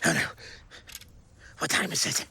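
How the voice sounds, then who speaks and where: Slow, halting, remorseful old miser. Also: male voice, bright, forceful tone, slight background noise. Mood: alarmed. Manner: pleading, halting, theatrical. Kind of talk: audio drama acting.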